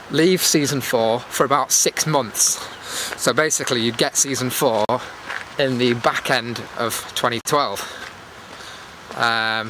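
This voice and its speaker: A man chatting casually to his viewers in a rambling, self-deprecating vlog, talking into a handheld camera as he walks outdoors. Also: mid-range voice. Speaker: YouTube host. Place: outdoors, walking in a public area. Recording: clear outdoor background noise while walking.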